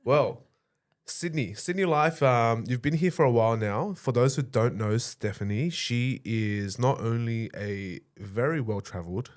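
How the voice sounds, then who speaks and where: A man's voice: medium pitch, unhurried. A man in his late twenties hosting a podcast, upbeat and playful as he chats with a guest. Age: late 20s. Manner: upbeat and playful, laughs along. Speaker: podcast host. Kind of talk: casual interview chat.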